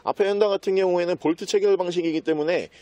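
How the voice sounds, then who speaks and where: A man giving a used car sales walkaround in smooth, practised salesman patter. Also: high-pitched, steady tone, fast talker, mellow. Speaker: used car dealer presenting a car.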